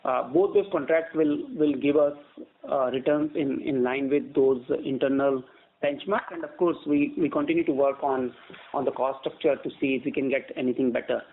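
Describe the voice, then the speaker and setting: A man, a company executive answering analysts on an earnings call in a halting, measured way, often repeating words. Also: mid-range voice. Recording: narrow tinny phone-line conference call.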